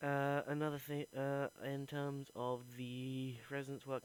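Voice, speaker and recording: A man's fairly high voice in a British accent, monotone and flat, at a fairly slow pace. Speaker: acting student. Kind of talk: reflective video diary. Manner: halting, many false starts.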